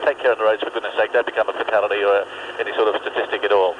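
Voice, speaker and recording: An Australian man delivers a quick live report as an airborne radio reporter. His voice comes over a dull aircraft link with clear engine noise around it. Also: on the low side, little pitch movement. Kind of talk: live party and beach report. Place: in a small aircraft in flight.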